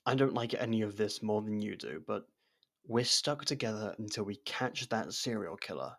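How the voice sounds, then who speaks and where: A man acting a guarded, blunt convict who helps with an investigation, in a conversational ASMR roleplay with hesitant pauses. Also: fairly low pitch, gravelly, a bit bright. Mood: firm, frustrated. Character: jailed man helping an investigator, guarded, blunt, wryly supportive. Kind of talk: ASMR roleplay audio drama.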